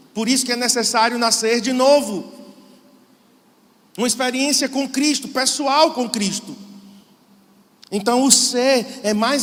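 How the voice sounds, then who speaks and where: A man speaks at an extremely high pitch and a fairly slow pace, with long, frequent pauses. Audible room echo and noticeable background noise fill the recording. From Brazil. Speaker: pastor. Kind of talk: sermon.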